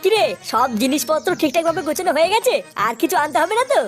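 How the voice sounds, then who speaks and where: A bossy young gang leader from a village comedy cartoon, played by a woman, in a very high squeaky voice. He talks fast, scoffing and giving orders with crude slang. There is music in the background. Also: animated.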